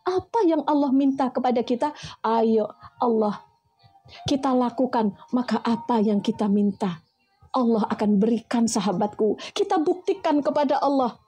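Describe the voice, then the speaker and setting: Woman, preacher, high voice, rhetorical questions, soft music under. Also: normal speed, husky. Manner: addresses listeners as friends, asks rhetorical questions. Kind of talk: motivational religious talk.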